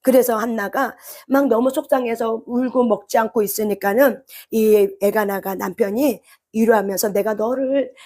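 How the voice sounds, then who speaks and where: A woman preacher giving an impassioned sermon. She keeps asking the congregation questions, and her voice climbs into shouted cries. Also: on the high side, moderate pace. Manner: impassioned, rises to shouted cries when voicing prayer; asks the congregation rhetorical questions.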